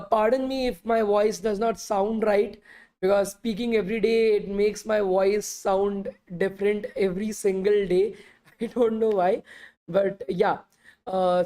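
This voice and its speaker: A woman leads a live online coding class in a mellow, warm voice. She talks loosely and conversationally, stopping often on filler sounds and coming back again and again to invite questions. Her pitch sits in a middle range for a woman. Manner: conversational, many filler pauses, repeats invitations to ask. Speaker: coding bootcamp instructor.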